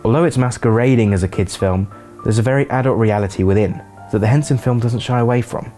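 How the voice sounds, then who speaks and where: A man's voice: mid-range voice, fast, dark tone, soft background music. A man reading scripted narration as the narrator of a video essay.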